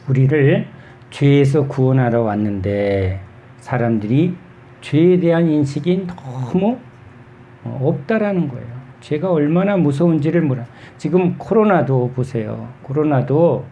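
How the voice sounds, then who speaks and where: A middle-aged pastor preaching a sermon, his voice mellow and set a little high for a man. He talks with the congregation as he preaches, asking them questions and answering them himself, and his delivery moves between quick and slow.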